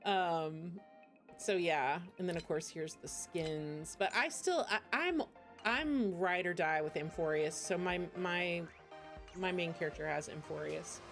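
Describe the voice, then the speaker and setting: A woman's voice: fairly low pitch, a little slow. Chatty woman streamer over game music. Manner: chatty, rambling, giggly. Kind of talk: casual live stream chat.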